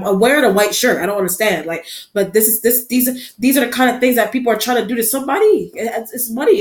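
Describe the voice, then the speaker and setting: A woman giving a tarot card reading to her viewers. She talks in a musing, halting way, repeats her phrases and often breaks off to exclaim. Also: a little high. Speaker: tarot reader. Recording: echoey room.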